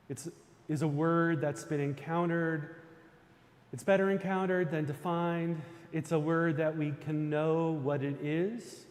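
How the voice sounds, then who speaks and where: Guy from jersey preaching a sermon, kinda high voice, chatty with uhs, big echoey church. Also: darkish tone. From New Jersey, USA. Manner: conversational, with fillers and restarts. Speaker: minister. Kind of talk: sermon with storytelling. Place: church sanctuary. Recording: long church reverb.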